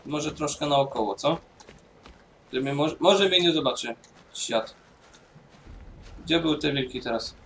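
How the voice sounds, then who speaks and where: A gaming YouTuber, a man with a mid-range, fairly bright voice, mumbles to himself as he plays, giving casual let's-play commentary on his own game and swearing now and then. The recording is distant, with slight background noise.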